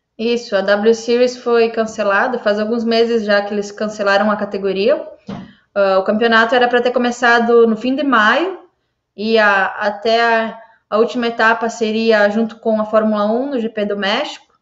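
A woman's fairly high-pitched voice at a moderate pace, with fairly even intonation. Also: quiet background. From southern Brazil, Santa Catarina. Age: 20s. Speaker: racing driver; guest. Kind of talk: interview. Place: home room. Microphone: earbuds.

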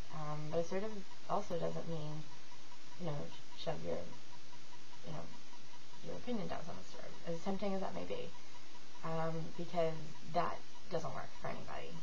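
A woman at a moderate pace with long, frequent pauses over noticeable background noise. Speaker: eating disorder recovery vlogger. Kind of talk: casual talk to camera. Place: home room. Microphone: webcam.

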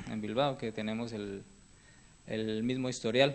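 A man's plain, everyday voice at a medium pitch, with fairly even intonation. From Colombia. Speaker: audience member. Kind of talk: audience question. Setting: auditorium with audience. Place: hall.

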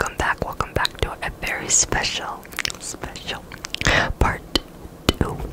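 Whispering in a soothing tone, a woman goes at a fairly slow pace with long, frequent pauses. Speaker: ASMR creator. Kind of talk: whispered ASMR sleep video. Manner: whispered, soothing, repetitive. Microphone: studio mic.

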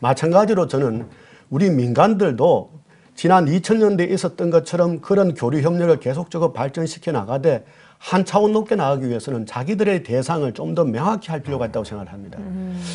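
A man with a fairly high pitch, a dark, mellow tone, somewhat breathy delivery, lively intonation and a fairly quick pace. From South Korea. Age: 50s. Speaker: professor of diplomacy. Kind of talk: news interview. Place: studio. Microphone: lapel.

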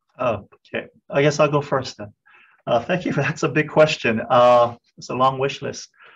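A man's fairly high voice, somewhat breathy, at a moderate pace, with ordinary pitch variation and big swings in loudness. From Hawaii. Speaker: professor and clinical psychologist. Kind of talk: lecture. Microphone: video call.

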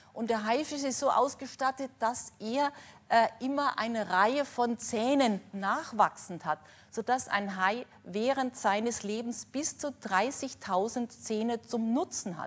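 Her pitch runs fairly high and varies in an ordinary way. The woman's pace is very slow. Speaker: dentistry professor. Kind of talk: lecture. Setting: stage with audience. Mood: light humorous. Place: hall.

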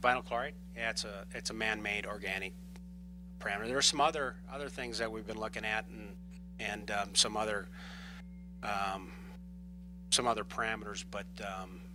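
A fairly quick voice with a bright, sharp tone swings very widely in pitch, broken by long, frequent pauses, with audible room echo. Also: man, fairly low pitch for a man. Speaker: environmental consultant. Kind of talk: technical presentation. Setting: city council meeting. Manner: halting; soft-spoken. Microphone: too quiet for TV audience.

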